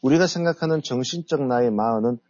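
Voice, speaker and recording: A middle-aged man who heads a company, being interviewed on the radio. He explains his ideas in a measured way. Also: medium pitch, a little mellow, no room sound. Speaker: guest author and company head. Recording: dull lo-fi radio studio audio.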